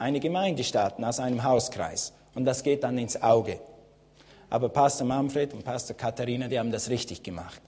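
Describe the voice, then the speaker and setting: A man's voice: medium pitch, dark tone. A man from Switzerland with a Swiss accent in his Standard German, preaching a friendly, chatty sermon as a guest pastor in a church hall. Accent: Swiss German speaking Standard German. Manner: friendly, chatty, laughs often, rising emphasis. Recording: long hall reverb.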